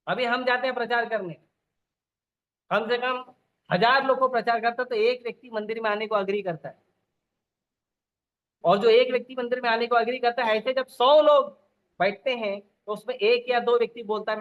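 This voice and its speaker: A man's voice: very high voice, normal speed, long pauses, muffled recording. A man giving a lecture on scripture, asking the audience rhetorical questions and repeating lists of examples. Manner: repetitive listing. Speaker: preacher. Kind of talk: Gita lecture.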